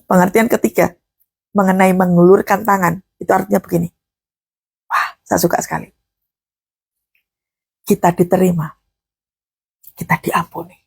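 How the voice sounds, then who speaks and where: A woman's voice: lowish voice, little pitch movement, moderate pace, creaky, long pauses, slightly rough, dry recording. A woman preacher giving a sermon in a conversational, folksy way, moving between teaching and fervent prayer.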